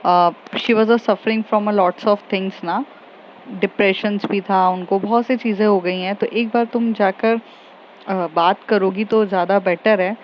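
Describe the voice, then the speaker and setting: Woman doing concerned older brother, gentle and hesitant, muffled recording. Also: mid-range voice, steady tone, slow, lightly acted. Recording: slightly dull, faint background noise.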